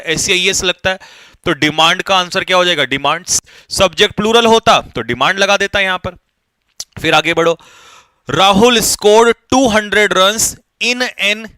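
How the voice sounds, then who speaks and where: A man with an Indian accent teaching an English grammar lesson for exam prep, drilling students with quick repeated questions. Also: high voice, sharp tone, smooth, no room sound.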